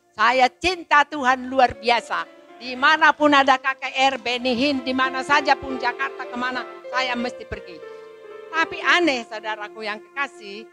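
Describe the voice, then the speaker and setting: Older woman in her seventies, church testimony, emotional storytelling, slightly high voice, faint music behind. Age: 70s. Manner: emotional, storytelling, quotes people in lively voices. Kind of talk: spoken testimony to a congregation.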